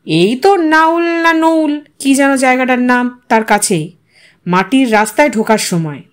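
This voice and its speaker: Lady reader doing a pushy young tv news guy in an audio story, impatient, grumbly, drops english words, highish voice. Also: measured pace. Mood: exasperated. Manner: complaining, mixes English into speech. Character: brisk, impatient young male TV reporter.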